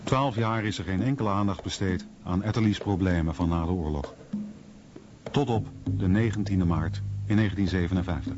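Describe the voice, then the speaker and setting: A man narrates a documentary from a script in a low, voice. The recording is slightly dull, with faint music underneath. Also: fairly quick. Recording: dull, lo-fi radio documentary sound.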